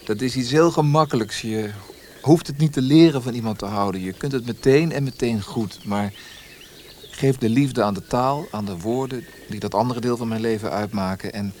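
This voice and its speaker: An actor playing a brooding poet in a Dutch radio drama, speaking in a reflective, literary way. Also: male voice, medium pitch, moderate pace, a little mellow, a little hiss or hum, close to an everyday voice. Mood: wistful, pensive. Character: brooding male Austrian poet tormented by language.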